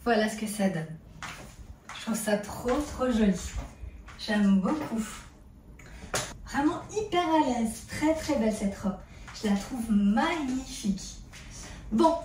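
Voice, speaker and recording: A woman's voice: high-pitched, darkish tone. A woman vlogging casually to camera, chatty and enthusiastic, gushing over what she shows. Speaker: lifestyle vlogger. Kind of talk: casual vlog chat to camera. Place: outdoors at a countryside ranch. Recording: roomy echo, faint ambient noise.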